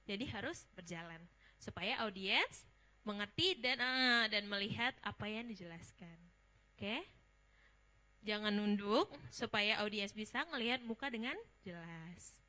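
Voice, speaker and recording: A woman's voice: medium pitch, expressive, measured pace, bright, forceful tone. A young woman giving a casual public speaking workshop, chatty and informal, asking the audience questions.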